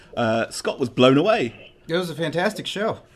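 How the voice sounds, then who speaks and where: A man talks with an English accent. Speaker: wrestling interviewer. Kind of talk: interview.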